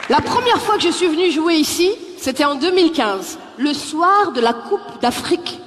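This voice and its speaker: A woman stand-up comedian from the Paris suburbs, lively and teasing, who talks directly to the crowd in a high voice. She is heard from a live stage, with the long echo of a hall and a faint murmur of the audience. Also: normal speed, background noise. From Paris suburbs, France.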